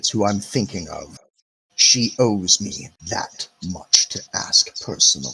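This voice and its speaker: A man puts on a character voice with a menacing tone. He talks at a fairly slow pace. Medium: actual play. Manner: cold, menacing.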